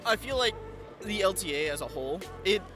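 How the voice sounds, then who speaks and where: A man's voice: high voice, animated, brisk, sharp tone, faint music behind. A young man from Texas giving eager, opinionated answers outdoors at an event. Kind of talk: casual interview answers.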